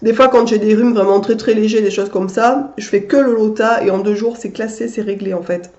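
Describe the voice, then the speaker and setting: A woman's voice: mid-range voice, fairly even intonation, a little fast, warm tone. Stuffy-nosed woman chatting in an echoey room. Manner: chatty, many fillers and restarts. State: stuffy nose from a cold. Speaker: vlogger. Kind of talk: casual chat to camera. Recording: echoey room, dull lo-fi sound.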